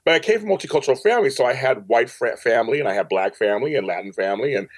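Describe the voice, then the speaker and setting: A man's voice: medium pitch, very fast, dry recording. An American man in his fifties chatting casually and jokingly as a podcast guest. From Los Angeles, United States. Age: 50s. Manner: animated, joking, conversational. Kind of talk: casual interview chat.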